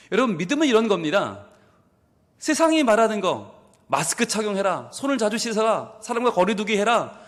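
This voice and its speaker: A male pastor preaching a sermon, with emphatic rhetorical questions and swings from hushed to raised delivery. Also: a little high, big-room sound. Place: church sanctuary.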